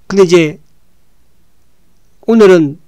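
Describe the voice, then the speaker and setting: A hoarse man hosting a stock market show, talking casually and often checking in with "right?". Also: high voice, mellow, no room sound. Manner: talks with frequent "right?" tag questions, halting restarts.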